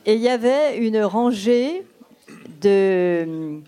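A woman's voice: medium pitch, animated, extremely slow, warm tone. A woman in her eighties from Brittany, whose first language is Breton, answering interview questions as a documentary filmmaker and telling her stories unhurriedly while she thinks aloud. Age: 80s.

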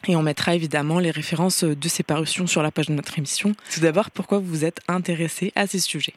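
A woman hosting a radio show, presenting the program and her guest in a clear, measured way. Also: low voice, fairly even intonation.

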